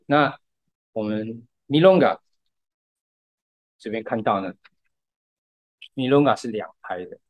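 A man's voice: mid-range voice, darkish tone. A man, patiently explaining music in a casual podcast chat and using lots of fillers. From Taiwan. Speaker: podcast co-host.

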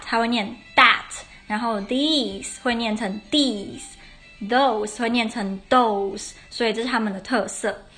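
Young woman, slightly high voice, podcast lesson host; chatty, self-correcting, with soft music underneath. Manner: chatty, explains step by step, corrects herself mid-sentence. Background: faint traditional Irish music.

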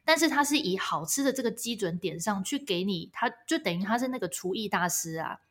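A woman co-hosting a casual chat podcast, telling stories in an exasperated, animated way. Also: medium pitch, brisk. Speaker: podcast co-host.

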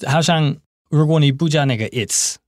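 A man's voice: a little high, normal speed, a little mellow, dry recording, clean studio sound. A man co-hosting an English lesson in a casual chat, switching between English and Mandarin with many hesitant fillers. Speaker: co-host and English teacher.

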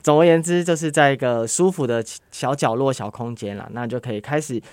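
A man's voice: mid-range voice, brisk, darkish tone, no room sound. Patient Taiwanese-accented man explaining step by step. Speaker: interview guest, art and occupational therapist. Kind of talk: casual explanatory interview talk.

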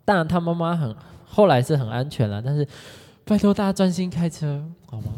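A podcast co-host, telling stories in an animated, excitable way. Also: mid-range voice, fairly quick. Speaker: podcast co-host, former education sales consultant. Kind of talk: casual storytelling chat. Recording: long hall reverb.

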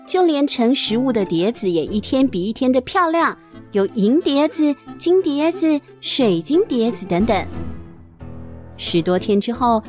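A woman narrating a children's storybook in a chatty way, stopping to explain things. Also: fairly high pitch. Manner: chatty, explanatory asides with sentence-final particles. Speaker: storyteller, host. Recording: faint music behind the voice.

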